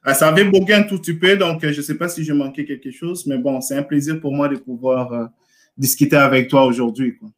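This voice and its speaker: A man from Montreal of Congolese descent speaking casually and haltingly as a guest in a live interview. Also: a little high, fairly even intonation, a bit bright. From Montreal, Canada, of Congolese descent.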